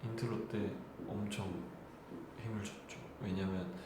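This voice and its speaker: This idol in his twenties hosts a live stream, chatting with fans, laughing, and keeping his speech polite. His voice is on the low side, flat and unhurried, captured in a very echoey room with clear background noise.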